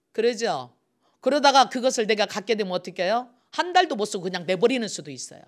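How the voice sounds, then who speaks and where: Lively male pastor preaching a sermon. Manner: lively, asks the congregation questions and answers them; acts out quoted voices with rising pitch and force.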